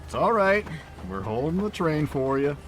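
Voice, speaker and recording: An actor playing a cheeky, teasing train conductor in an audio drama. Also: male voice, on the high side, very animated, normal speed, fairly bright tone. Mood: calling out. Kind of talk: naturalistic audio drama acting.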